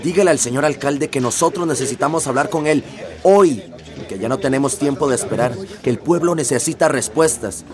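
An actor playing a pushy, sarcastic citizens' committee leader confronting the mayor in a radio drama. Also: male voice, medium pitch, a little fast, a crowd in the background, natural voice. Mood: indignant.

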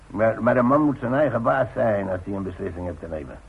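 An actor playing a proud, stubborn retired workman and father in a radio play, speaking haltingly on an old recording. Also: fairly low pitch, expressive, gravelly, slightly rough, phone-quality sound, full character voice. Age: older. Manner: hesitant, halting, repeats words. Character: proud, stubborn retired chimney climber, gruff but tender father. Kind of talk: naturalistic Dutch radio play acting.

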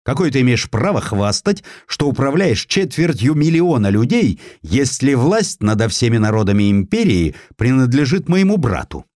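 An actor playing a haughty grand duke and general, speaking in an abrupt, commanding and threatening way. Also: male voice, mid-range voice, very animated, normal speed, few pauses, a little mellow, no room sound, clean studio sound, voice pushed up, close to an everyday voice.

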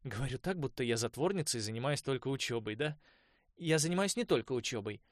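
A man's voice: mid-range voice, lively intonation, fast talker, no room sound, clean studio sound, voice pushed up, close to an everyday voice. A man voicing a tipsy, chatty young woman student who rambles in a raised voice. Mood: rambling.

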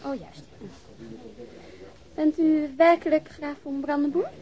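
A woman's voice: sits high, fairly even intonation, slow, dark tone, highs cut off. A woman playing a gushing, deferential clerk in a Dutch radio drama, very impressed by nobility. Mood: fawning.

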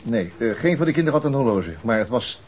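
An actor playing a methodical, sober police detective in a radio drama. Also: male voice, mid-range voice, expressive, fast, darkish tone, a little hiss or hum, close to an everyday voice. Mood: matter-of-fact.

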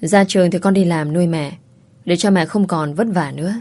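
A woman voicing a young female student, a devoted, tearful daughter who speaks softly and hesitantly. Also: lowish voice, a little fast, natural voice. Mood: tender.

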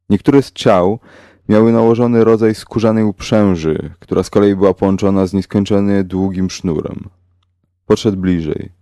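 A man narrating a horror story in a slow, measured, grave way. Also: low-pitched, dark tone, no echo, clean studio sound. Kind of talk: scripted horror audiobook narration.

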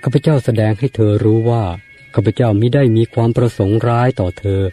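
A man reading a novel aloud as an audiobook narrator, in a measured and formal storytelling manner. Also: mid-range voice, dark tone, soft background music.

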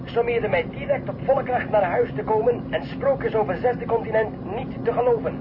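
A man's voice: very high-pitched, fairly quick. A man playing an officer who reports by field radio in clipped radio-speak, ending each turn with "over". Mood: reporting. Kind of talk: radio play acting. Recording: dull lo-fi with clear background noise.

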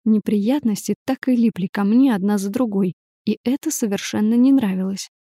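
A woman narrating a first-person audiobook in a steady, expressive storytelling manner. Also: medium pitch, moderate pace, husky, no room sound, studio quality.

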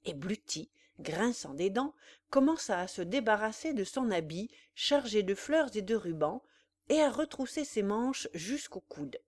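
A woman at medium pitch reads a classic novel as an audiobook, delivering scripted literary narration in a measured, even storytelling manner.

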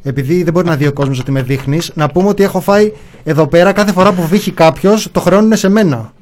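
Indignant man, slightly high voice. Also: a little mellow. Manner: indignant, rhetorical questions. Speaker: co-host. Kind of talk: casual political banter.

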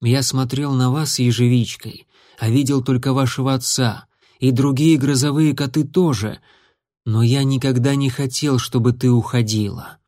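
Brief: male reader as a quiet, regretful tomcat leader, low-key, dry close sound. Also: fairly even intonation, moderate pace, no room sound, natural voice. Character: tom cat clan leader, grave and regretful.

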